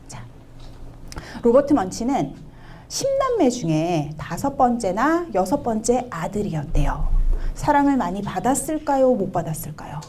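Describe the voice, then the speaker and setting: Lively woman lecturing parents. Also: medium pitch, slight background noise. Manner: lively, asks the audience questions, acts out quotes. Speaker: picture book lecturer. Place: community event hall.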